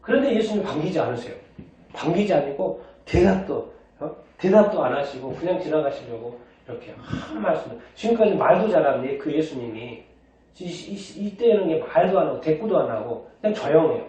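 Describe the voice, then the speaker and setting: A man's voice: fairly high pitch, expressive, a little fast, warm tone, a little hiss or hum. A male pastor preaching a sermon, asking the congregation questions and then answering them himself. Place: church sanctuary. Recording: distant, echoey, dull church recording.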